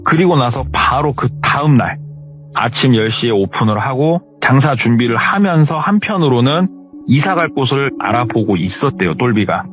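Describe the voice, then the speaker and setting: A man retelling a viewer's horror story in an animated, conversational way. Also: mid-range voice, moderate pace, faint music behind. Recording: slightly muffled lo-fi recording.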